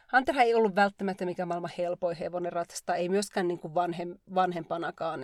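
A woman speaks at a fairly quick pace in a plain, everyday voice, fairly low in pitch with fairly even intonation. The sound is dry and close with no echo, and the recording is very clean over a silent background. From Finland, Kuopio. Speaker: horse rider. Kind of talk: casual interview.

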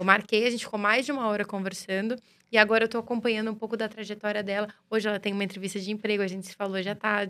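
A woman talks at a very fast pace at a medium pitch. Her intonation is monotone and flat. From Brazil, Mato Grosso do Sul (Campo Grande). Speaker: finance professional and women's networking leader. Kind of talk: casual interview.

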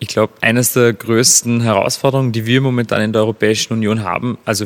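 It is an unremarkable speaking voice at a fairly quick pace. The sound is dry and close, with no echo. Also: man. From Austria, Vorarlberg. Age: 20s. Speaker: political candidate. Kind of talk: interview.

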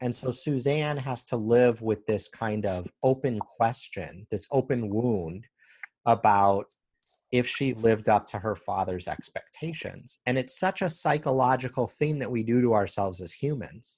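In a plain, everyday voice, a man with an American accent speaks fairly slowly at medium pitch with ordinary pitch variation, the sound dry and close with no echo. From US Midwest, Wisconsin. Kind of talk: casual chat.

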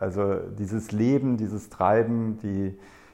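A man at a very slow pace, fairly low in pitch, with fairly even intonation. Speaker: embassy labour and social affairs attaché, trade unionist. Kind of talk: interview.

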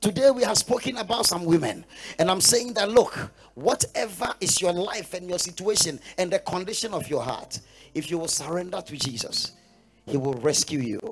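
The speaker's animated tone moves in very wide pitch swings at a moderate pace, against noticeable background noise. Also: man, high pitch for a man. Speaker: pastor. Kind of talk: sermon. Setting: outdoor church crusade.

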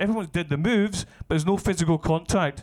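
A man's high voice in a Glaswegian accent, at a very fast pace. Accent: Glaswegian Scottish. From Glasgow, Scotland. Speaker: comedian. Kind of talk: stand-up. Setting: stage with audience.

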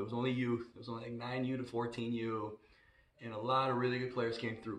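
Over noticeable background noise and audible room echo, a man with an American accent talks at a medium pitch in a monotone, flat intonation. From Southern California. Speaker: college basketball assistant coach. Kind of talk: interview. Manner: casual, filler-heavy.

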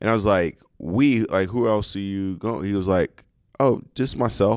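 On a very clean recording with a silent background, an unremarkable speaking voice with an American accent moves at a moderate pace. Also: man. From Chicago. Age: 40s. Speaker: comedian and anti-suicide activist. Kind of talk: casual chat.

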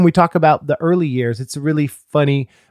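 An ordinary speaking voice from a man, fairly high in pitch with ordinary pitch variation and a moderate pace, in a dry, close sound with no echo on a very clean recording with a silent background. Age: 30s. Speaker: podcast host and rapper. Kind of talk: podcast intro monologue; podcast interview. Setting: recording studio.

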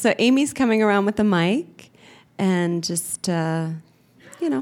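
In a very clean recording with a silent background, a woman talks at a fairly slow pace and medium pitch. It is an ordinary speaking voice. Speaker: radio host. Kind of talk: moderated live panel discussion. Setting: stage with audience.

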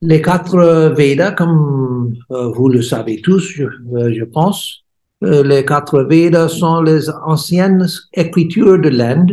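With an American accent and audible room echo around him, a man speaks at a very slow pace in a dark, mellow tone, his fairly high pitch showing ordinary pitch variation. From US. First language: English (speaking French). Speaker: monk and lecturer. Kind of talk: read-aloud lecture. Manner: halting.

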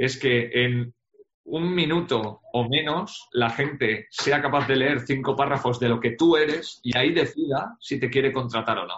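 This man has a normal speaking voice at a medium pitch. He goes at a moderate pace, and his pitch varies in an ordinary way. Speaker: communication consultant. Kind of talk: interview.

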